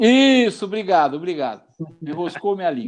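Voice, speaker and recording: Here a man is speaking. His pitch makes very wide swings. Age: 60s. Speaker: city councillor and physician. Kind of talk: interview. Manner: halting.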